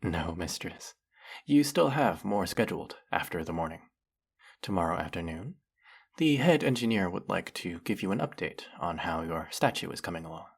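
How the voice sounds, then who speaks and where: A man's voice: sits low, lively intonation, moderate pace, gravelly, breathy edge, full character voice. A man playing a fanatically devoted, lovestruck male demon servant in a fantasy audio roleplay, speaking in a formal, theatrical, over-the-top reverent way. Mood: dutiful, adoring. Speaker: voice actor.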